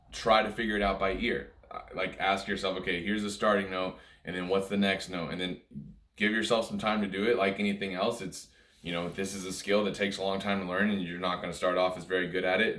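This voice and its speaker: A man's low-pitched voice with a fairly bright tone comes through echoey room sound. He's a music teacher chatting informally to camera in a casual lesson, rambling and often repeating points.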